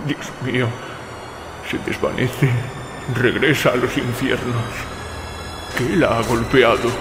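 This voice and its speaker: A man's voice: mid-range voice, steady tone, takes it slowly, natural voice. A man playing an older narrator haunted by memory, telling a horror story dramatically in the first person. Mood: dread. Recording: music behind the voice.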